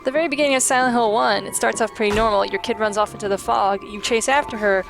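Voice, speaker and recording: A woman's voice: mid-range voice, fast talker, creaky, noisy background. A woman doing chatty, opinionated let's play commentary on a video game in a casual way. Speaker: host playing and presenting a video game. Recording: game music behind the voice. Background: video game music.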